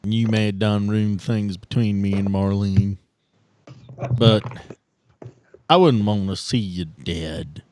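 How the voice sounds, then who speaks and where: A man playing a grudging, plainspoken rural man in a tabletop roleplay, drawling with folksy grammar and deliberate pauses. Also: on the low side, a little mellow, a little hiss or hum, voice pushed down. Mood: grudging, solemn.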